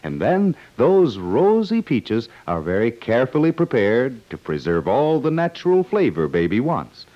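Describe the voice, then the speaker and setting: A man's voice: mid-range voice, huge pitch swings, a little slow, few pauses. A man reading a scripted 1950s radio commercial as an announcer. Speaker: advertising announcer. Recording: dull 1950s radio recording.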